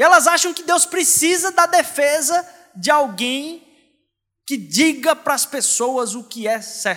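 A man with an extremely high pitch speaks in a raised, projected voice at a fairly slow pace, his intonation lively and his loudness swinging widely. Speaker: pastor. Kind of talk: sermon.

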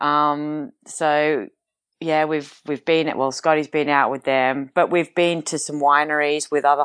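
A woman with an Australian accent speaks at a moderate pace in a very deep, low voice with monotone, flat intonation, the sound dry and close with no echo over a quiet background. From Queensland, Australia. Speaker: athlete and coach. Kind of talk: casual chat interview. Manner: laid-back, humorous.

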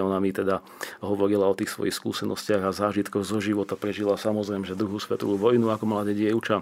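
A man speaks in a flat, monotone way. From eastern Slovakia, Upper Zemplín. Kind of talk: radio interview testimony. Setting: radio studio.

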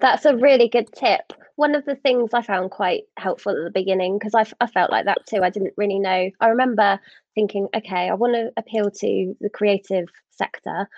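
Using a normal speaking voice, a woman talks fairly quickly at a medium pitch, her pitch varying in an ordinary way. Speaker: podcast co-host and business coach. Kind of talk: casual interview chat. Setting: video call.

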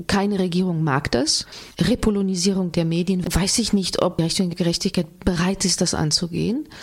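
A woman with a medium pitch speaks at a moderate pace with ordinary pitch variation and very even loudness, amid noticeable background noise. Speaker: journalist and commentator. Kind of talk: radio discussion programme. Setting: studio.

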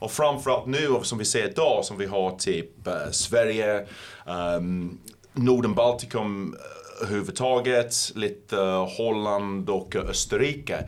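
Lively intonation marks a man's speech, delivered at a fairly slow pace with a non-native accent. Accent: English-speaking accent in Swedish. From northern England (North Yorkshire). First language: English (speaking Swedish). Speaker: think tank founder and EU lobbyist. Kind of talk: interview. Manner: halting, many fillers.

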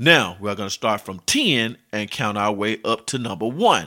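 The recording is very clean, its background silent. A man speaks at a moderate pace. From Chicago, Illinois. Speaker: college basketball podcast host. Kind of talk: scripted sports podcast monologue.

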